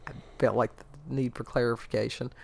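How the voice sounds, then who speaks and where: A woman's voice: very deep voice, flat delivery, a little fast, creaky, noisy background. A middle-aged woman with a congested, stuffy voice, chatting casually as a podcast host and telling wry stories. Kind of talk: casual chat.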